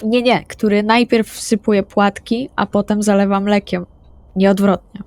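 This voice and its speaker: A woman's voice: medium pitch, steady tone, unhurried, darkish tone, lightly acted. A woman playing an anxious, literal-minded young female vampire in an improvised tabletop roleplay, speaking plainly and hesitantly. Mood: matter-of-fact.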